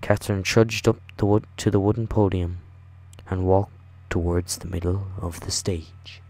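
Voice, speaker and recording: A man hosting a gaming video, chatting casually and reading a visual novel aloud in a hushed, late-night voice. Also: low voice, steady tone, normal speed, no room sound. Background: music.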